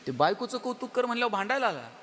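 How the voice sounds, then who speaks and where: Bright high-voiced man speaking in a hall. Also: racing, slight background noise. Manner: animated, addresses the audience directly. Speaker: motivational speaker. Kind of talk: stage speech with humorous storytelling. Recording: long hall reverb with faint music.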